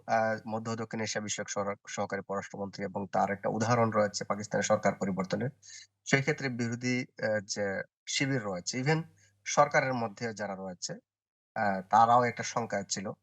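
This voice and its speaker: A man, a newspaper correspondent, giving opinion commentary in a TV interview, speaking deliberately and often pausing with "uh" and restarting. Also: fairly low pitch, fairly bright tone. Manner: deliberate, with frequent "uh" pauses and restarts.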